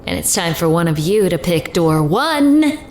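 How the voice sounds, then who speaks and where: Drawling, swooping taunting villain. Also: female voice, fairly low pitch, sing-song, unhurried, a little mellow, slight background noise. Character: brash, mocking, menacing keeper taunting captives. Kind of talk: audio drama villain acting.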